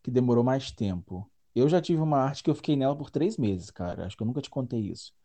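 A man's voice: medium pitch, lively intonation, fast, warm tone. A man hosting a podcast, asking friendly questions in a casual interview chat. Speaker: podcast host.

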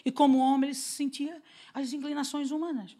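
A Brazilian woman preaching a lively sermon, telling stories and acting out the dialogue with frequent laughter. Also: high voice, fairly quick. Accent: Brazilian Portuguese. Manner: animated, acts out quoted dialogue, laughs often.

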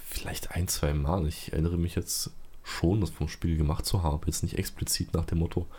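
A man's voice: sits low, steady tone, brisk, mellow, husky. A man co-hosting a podcast in casual chat, dry and matter-of-fact with drily joking remarks. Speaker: podcast co-host.

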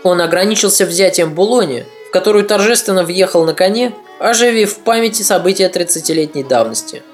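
A podcast narrator reading a scripted history story in a steady, even manner. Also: mid-range voice, brisk, faint music behind.

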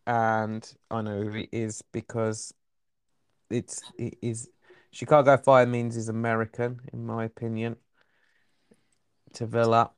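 A man with a Black Country accent running a casual football quiz, talking in a chatty, rambling way with quick asides. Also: medium pitch, flat delivery, clear, resonant tone. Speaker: quiz host.

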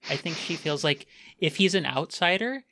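A man talks through his character in a tabletop game, thinking aloud and wandering through his sentences with plenty of fillers. His voice is bright and forward, and the recording is dry and close. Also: fairly high pitch, lively intonation, moderate pace, creaky, no room sound. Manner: thoughtful, rambling with many fillers. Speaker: player. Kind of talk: tabletop role-play, describing his character.

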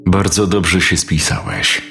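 A man's voice: low voice, fairly even intonation, slow, pushed and bright, soft background music, heavily acted. A man voicing a cruel, commanding male gang leader with a cold, threatening delivery. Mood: menacing.

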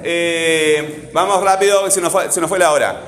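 A man teaching a classroom lesson, brisk and questioning, calling on students by name. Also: a little high, fairly even intonation, a bit bright.

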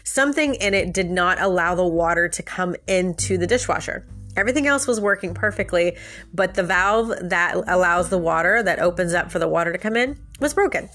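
A woman's voice: lowish voice, animated, brisk, fairly bright tone, soft background music. A woman hosting a podcast with a nasal, stuffed-up voice from a sinus infection, telling a casual story and chatting straight to listeners with frequent little laughs. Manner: chatty, laughs often, addresses listeners directly. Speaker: podcast host.

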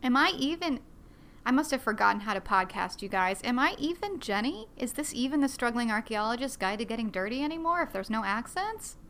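A woman's voice: a little high, animated, fairly quick, fairly bright tone. A woman hosting a solo podcast, chatting in a bubbly, self-deprecating way and rambling with many fillers. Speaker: podcast host.

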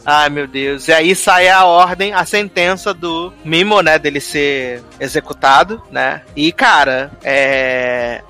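A man's voice: on the high side, slow, hardly any pauses, pushed and bright, faint music behind. A man chatting casually about a film, animatedly retelling scenes and acting out the lines.

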